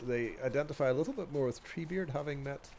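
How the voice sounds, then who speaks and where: A man's voice: medium pitch, fast talker, creaky, a crowd in the background. A man with a stuffy, nasal voice from a cold, rambling hesitantly as he hosts a walk-along video, with many ums and restarts. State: stuffy nose from a cold, coughing. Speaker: video host.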